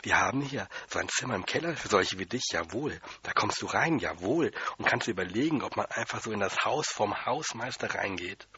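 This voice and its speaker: A man voicing a furious, heavy old caretaker who shouts and bullies, in a storybook reading. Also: fairly low pitch, expressive, a little fast, few pauses, dull audio. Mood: bullying. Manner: shouting, bullying, hissing threats.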